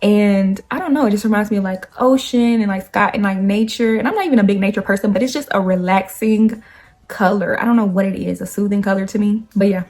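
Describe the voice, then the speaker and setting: Girl in her twenties, chatty, slangy, laughs a lot, mid pitch. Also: fast, darkish tone. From Nashville, Tennessee. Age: 20s. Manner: chatty, laughs often, slangy asides to viewers. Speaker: YouTuber. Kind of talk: casual get-to-know-me chat.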